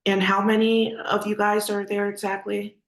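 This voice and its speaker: A woman's voice: mid-range voice, flat delivery, normal speed. A woman interviewer asking questions in a casual, conversational way, hesitantly rewording as she goes. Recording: echoey, roomy sound.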